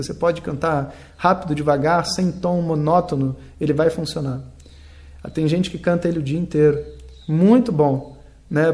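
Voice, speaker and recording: A man giving a casual spoken lesson, explaining patiently and softly chanting mantras. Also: on the high side. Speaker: yoga and Vedic teacher.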